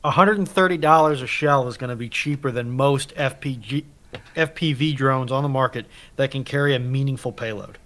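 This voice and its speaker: A man's voice: medium pitch, brisk, fairly bright tone. A man taking part as a panelist in a casual chat.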